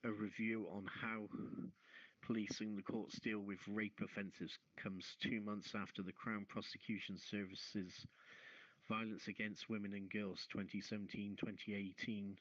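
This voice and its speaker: Male online radio host, low voice, news-reading delivery, halting asides, close dry but dull sound. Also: little pitch movement, a bit bright, dry recording. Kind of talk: reading news stories aloud, chatting between.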